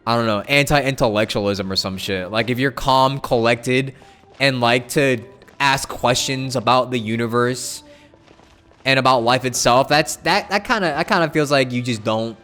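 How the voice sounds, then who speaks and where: A man chatting casually on a game livestream, thinking aloud in a halting way and repeating his phrases. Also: mid-range voice, fairly bright tone, soft background music. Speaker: game streamer. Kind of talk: casual livestream chat with viewers.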